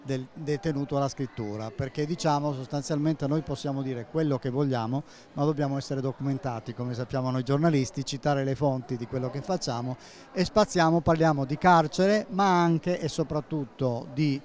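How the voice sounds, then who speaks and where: A man in his sixties speaks in a measured, medium-pitched voice, pausing on fillers as he explains. He is interviewed at an exhibition stand through a handheld microphone. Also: darkish tone. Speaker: journalist and interviewee. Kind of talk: interview at a book fair stand. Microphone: handheld interviewer mic.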